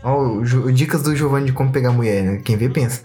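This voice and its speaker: A man with a Brazilian accent, chatting casually as a podcast co-host, slangy and animated, often mimicking voices for a joke. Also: mid-range voice, fast, soft background music.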